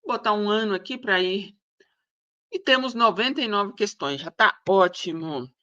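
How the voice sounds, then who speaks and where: A woman teaching exam prep over a screen share, chatty and thinking out loud. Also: mid-range voice, expressive, normal speed, highs cut off. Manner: chatty, thinks aloud, keeps asking "tá?".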